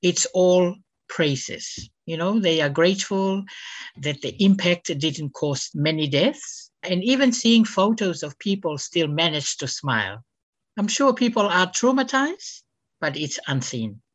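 A middle-aged woman from Tonga speaks in a low voice, earnest and halting. She pauses often and ends phrases with a questioning "eh". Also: expressive. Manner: earnest, hesitant, many uh fillers, tag eh. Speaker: community broadcaster and organiser. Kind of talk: radio interview answers.

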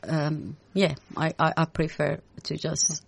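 Low-voiced Iranian-accented woman guest. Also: little pitch movement, creaky, husky. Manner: halting, repeats words, laughs often. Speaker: photographer guest. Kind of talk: unscripted interview talk. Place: radio studio.

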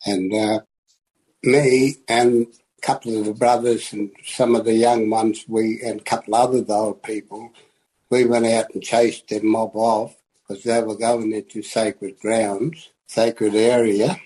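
Slow, husky older man, Aboriginal Australian accent. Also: lowish voice, level tone, warm tone, low-quality recording. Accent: Australian Aboriginal English. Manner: slow, halting, plain-spoken. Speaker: community elder and land activist. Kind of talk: unscripted personal testimony.

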